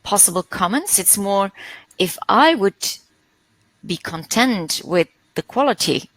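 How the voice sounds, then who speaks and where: Panel guest: hesitant woman, unhurried, gravelly, close and dry. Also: medium pitch, expressive, fairly bright tone, dry recording, low-quality recording. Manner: hesitant, searching for words. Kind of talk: reflective conversation.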